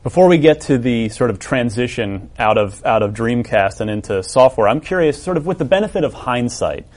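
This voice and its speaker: A man's voice: medium pitch, expressive, a little fast, a little mellow. A man hosting an interview, asking conversational, hedged questions and adding short agreements.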